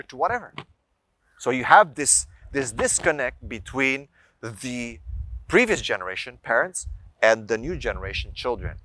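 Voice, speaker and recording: A man speaks in a mid-pitched voice, recorded close and dry. He lectures informally to viewers like a teacher of faith and family matters, stressing his points and posing rhetorical questions. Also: bright, forceful tone, no room sound. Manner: didactic, emphatic, rhetorical questions and listed examples. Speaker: speaker giving religious and parenting advice.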